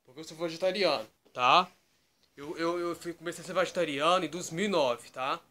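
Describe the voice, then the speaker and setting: Man, higher bright voice, rambling webcam vlog at home, endless tag questions. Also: a little fast. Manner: repeats "tá?" and "né?" constantly, loose digressive storytelling. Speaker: YouTube vlogger. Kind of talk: rambling casual talk to camera. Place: bedroom at home, indoors.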